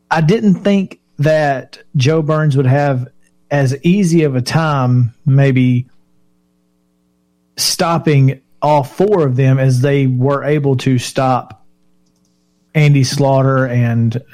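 A man's voice: medium pitch, darkish tone. A man co-hosting a local sports radio show, chatty and laughing often, restarting his sentences. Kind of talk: casual sports talk radio.

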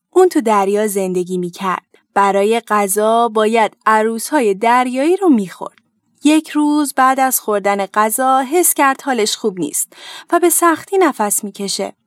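Woman storyteller, gentle, kids' narration, higher voice, dry close sound. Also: no room sound. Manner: gentle, addressing parents and children. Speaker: children's storyteller and host. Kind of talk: scripted narration for children.

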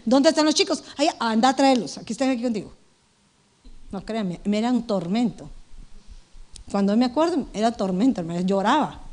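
A middle-aged woman pastor, preaching a lively sermon straight to the congregation. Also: high-pitched.

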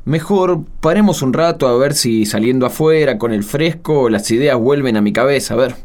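A young man in a radio drama, acted by a man, with a medium-pitched voice. He comes across as a friendly, respectful church volunteer. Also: moderate pace, a little mellow, close to an everyday voice. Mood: weary. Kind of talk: radio play acting.

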